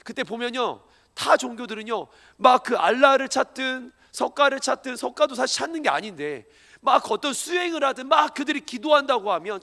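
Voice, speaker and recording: A male pastor preaching a sermon to young adults in a church hall, swinging from loud emphatic lines to hushed ones. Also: extremely high pitch. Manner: animated, swings from shouting to hushed.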